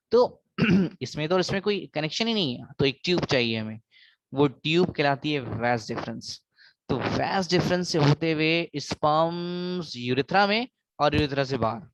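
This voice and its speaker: High-voiced South Asian man lecturing. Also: dry recording, low-quality recording. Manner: explanatory, repeats key phrases for emphasis. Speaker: biology lecturer. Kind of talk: classroom lecture mixing Hindi and English.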